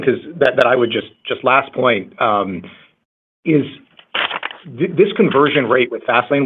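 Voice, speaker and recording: A man, a company executive, answering questions on an earnings call in a halting way, repeating words. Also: medium pitch, a little hiss or hum. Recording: muffled narrow-band conference call line.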